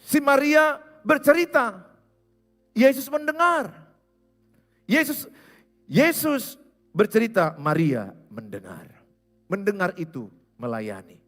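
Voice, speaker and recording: A male pastor preaching a sermon in a church, animated and speaking straight to his listeners. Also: high voice, slow, pauses often, soft background music. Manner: animated, acts out scenes, speaks to the listener directly.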